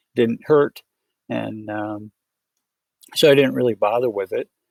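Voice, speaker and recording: Recorded with a dry, close sound and no echo, a medium-pitched man with an American accent talks at a fairly slow pace. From US Midwest (South Dakota). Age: 60s. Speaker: cancer patient and motorcycle traveler. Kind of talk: interview testimony. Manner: halting.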